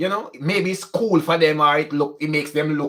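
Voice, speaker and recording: A fairly high male voice in a strong Jamaican accent, with ordinary pitch variation. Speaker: YouTube commentator. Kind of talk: casual monologue. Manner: Jamaican Patois mixed with English.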